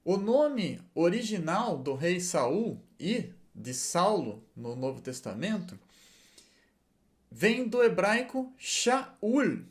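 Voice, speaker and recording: A man's voice: high voice, big pitch swings, slow pace. A man giving a patient lesson, explaining step by step and checking in with his listeners often. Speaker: Hebrew and Greek teacher.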